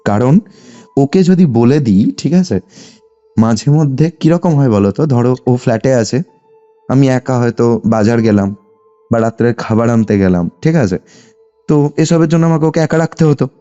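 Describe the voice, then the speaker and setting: This young caller, speaking with a West Bengal Bengali accent, recounts a personal story with animation at a moderate pace in a mid-range voice. He keeps seeking confirmation with short tags, and the muffled lo-fi call has music in the background.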